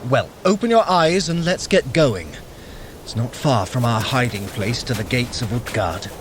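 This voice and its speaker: A man's voice: medium pitch, animated, normal speed, background noise, natural voice. An actor playing a sly, scheming male trickster god in an audio drama, wry and commanding. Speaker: Loki.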